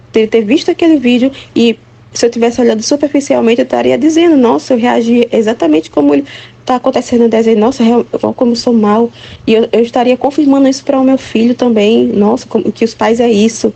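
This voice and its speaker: A woman's voice: fairly high pitch, gravelly, dark tone, breathy edge, poor audio. A Brazilian woman, a mother, giving a rambling, casual spoken testimony to a Catholic study group and often checking in with "né?" and "sabe?". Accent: Brazilian Portuguese.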